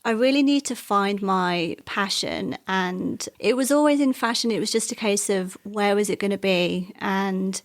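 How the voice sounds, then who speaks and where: A woman born in Wales, a guest in an interview, recounting her career in a relaxed, chatty way. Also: mid-range voice. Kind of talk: interview conversation.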